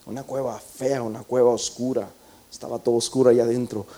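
A man's voice: medium pitch, little pitch movement, a little fast, mellow. A man preaching a sermon, telling a story dramatically and asking the congregation rhetorical questions.

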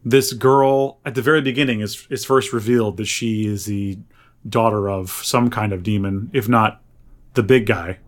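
A man's voice: on the low side, fairly even intonation, normal speed. A man co-hosting a podcast in casual chat, talking in a rambling, opinionated, conversational way. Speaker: podcast co-host.

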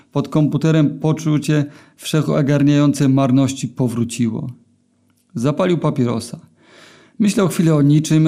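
Man with a gravelly, dark voice reading. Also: a little high. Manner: deadpan, with hesitations. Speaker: narrator. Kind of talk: reading his own short story aloud.

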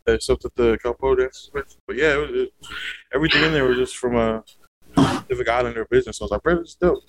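A man's voice: medium pitch, fairly even intonation, fast talker, low-quality recording. Laid-back guy. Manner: laid-back, heavy on "bro" and "like". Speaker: podcast co-host. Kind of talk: casual chat.

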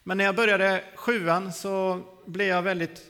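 A man in his forties preaching a sermon, telling his own story in a lively way and acting out the scenes. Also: high-pitched. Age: 40s. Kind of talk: sermon testimony. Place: church hall. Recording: long hall reverb.

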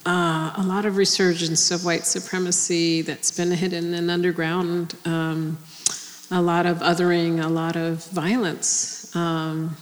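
A woman with a fairly low voice speaks earnestly and in measured phrases during an onstage conversation. Between her turns she murmurs soft agreement, and the sound rings with a long hall reverb. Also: slight background noise. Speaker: conversation partner on stage. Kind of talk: onstage conversation before an audience. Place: large hall with an audience.

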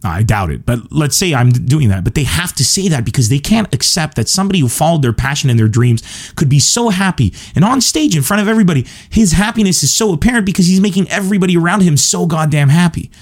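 A man's voice: a little high, lively intonation, fast. Emphatic, self-assured male podcast host. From Lebanon. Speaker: podcast host, stand-up comedian. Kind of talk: solo podcast monologue answering listener questions.

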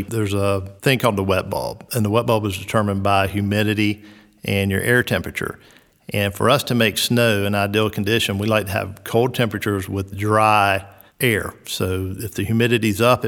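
A middle-aged man from South Georgia with a Southern accent, answering interview questions in an unhurried way, with many "uh"s and "um"s. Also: fairly low pitch, a bit bright, big-room sound. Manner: unhurried, lots of "uh" and "um" fillers. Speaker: resort recreation director.

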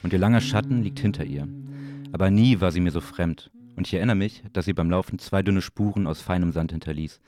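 Very deep, mellow man reciting literary monologue. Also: fairly quick. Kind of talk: literary audio play monologue, dramatic recitation.

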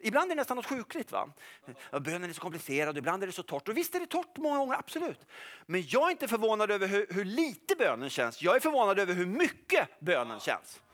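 A middle-aged man preaching a sermon in an animated, jokey way, often checking that his listeners follow along. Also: high-pitched. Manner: animated and jokey, asks the audience "are you with me?".

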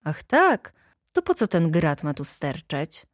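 A hesitant male delegate visiting from out of town, as a woman narrator voices him, eager but wavering. His voice is pitched up above her low narration. The recording is dry and close. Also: wildly swooping pitch, slow, no echo, heavily acted.

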